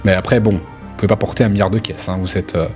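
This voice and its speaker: Game master, male, lowish voice, halting improvised storytelling, faint music underneath. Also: level tone, darkish tone. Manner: halting, conversational, searching for words. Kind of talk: improvised narration of a tabletop role-playing game.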